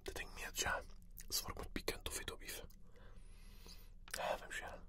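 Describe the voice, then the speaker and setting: A man in his forties with a European Portuguese accent, whispering breathily in short, unhurried remarks for an ASMR chip tasting. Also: pushed and bright. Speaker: host of an ASMR snack tasting video. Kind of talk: whispered ASMR food review. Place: small indoor setup with black curtain.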